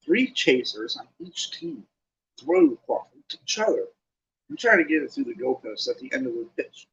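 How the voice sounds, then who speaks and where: A man's voice: medium pitch, sing-song, moderate pace, gravelly, fairly bright tone. A man voicing a schoolboy who explains rules in a heavy, resigned way. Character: patient schoolboy explaining a sport, a bit weary. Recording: dull lo-fi recording.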